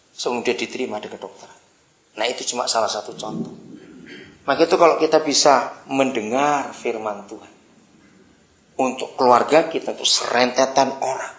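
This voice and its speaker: A middle-aged man preaching a sermon full of personal stories, calling out to the congregation and shifting between loud exclamations and quiet asides. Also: mid-range voice, fairly quick, long pauses, reverberant.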